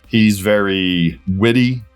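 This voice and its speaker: A man talking casually as an interview guest, thinking aloud in short, halting phrases. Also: fairly low pitch, clear, resonant tone. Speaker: voice actor and director, interview guest. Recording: music behind the voice. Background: background music.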